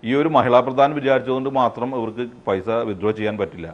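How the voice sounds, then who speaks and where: A man's voice: medium pitch, highs cut off. A man giving an unscripted interview account, hesitant and searching for words, mixing in English words. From Thrissur district, Kerala, India. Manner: halting, hesitant, frequent word searching, English words mixed in. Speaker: interviewee, fraud victim.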